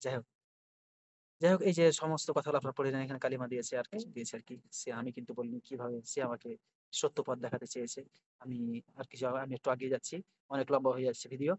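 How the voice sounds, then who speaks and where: A man's voice: medium pitch, steady tone, racing, a little mellow, dry recording. A man giving casual commentary on a chat, talking to viewers as brother. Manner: chatty, addresses viewers as brother. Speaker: video creator.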